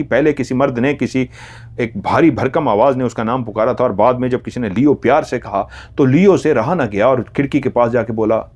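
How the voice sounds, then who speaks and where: A man narrating a horror story in a slow, hushed, dramatic way. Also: mid-range voice.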